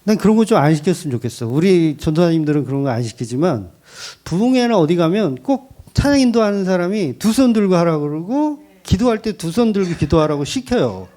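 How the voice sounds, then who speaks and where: Middle-aged pastor guy preaching, kinda high voice, jokey and self-deprecating. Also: expressive, brisk, hardly any pauses, mellow. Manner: candid, joking, self-deprecating preaching with laughs. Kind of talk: sermon.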